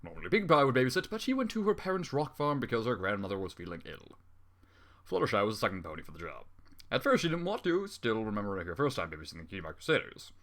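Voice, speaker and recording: A man's voice: on the low side, very animated, fast talker, fairly bright tone. A man reading a fan story aloud and breaking off into exasperated, swearing comic reactions. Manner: exasperated, swearing outbursts between narration. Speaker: fanfiction reader.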